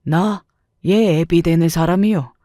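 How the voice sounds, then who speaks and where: A woman voicing a gruff elderly man who speaks bluntly and gives short commands, in a story narration. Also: fairly low pitch, a little slow, mellow, dry recording, studio quality, natural voice. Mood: indignant. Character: gruff elderly male neighbor, blunt and protective.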